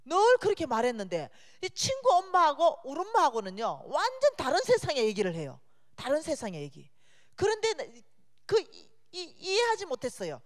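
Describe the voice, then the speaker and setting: A woman giving a sermon as a guest speaker in a church, animated and chatty, joking with the congregation. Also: extremely high pitch. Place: church sanctuary. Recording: long reverb of a church hall.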